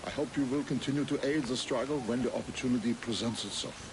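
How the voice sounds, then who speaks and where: An actor playing an earnest Victorian union leader, speaking gravely, recorded as game audio with ambient noise. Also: male voice, mid-range voice, fast, lightly acted.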